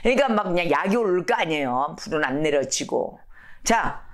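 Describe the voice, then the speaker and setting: Animated woman pastor preaching. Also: deep voice, moderate pace. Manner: animated storytelling, asks the congregation questions. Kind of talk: sermon.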